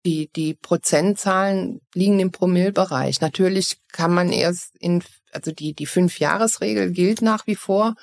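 In Cologne, a guest from Eupen in Belgium gives a personal interview in German with an East Belgian accent. Her voice sits on the low side, gravelly and a little mellow, moving at a moderate pace with few pauses. She talks openly and thoughtfully, with many restarts.

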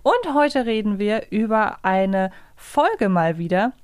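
A woman's voice: medium pitch, very animated, slow, no room sound. A woman in her thirties hosting a podcast in a casual, chatty style. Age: 30s. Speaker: podcast host. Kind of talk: casual chat.

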